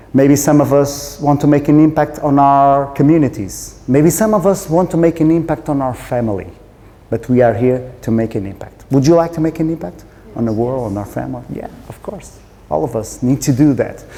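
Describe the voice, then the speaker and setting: A man with a non-native accent, fairly high-pitched, at a fairly quick pace, ordinary pitch variation, audible room echo. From Portugal, Porto. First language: Portuguese. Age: 40s. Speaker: communication coach and speaker. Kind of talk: conference talk. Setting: stage with audience. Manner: animated, joking.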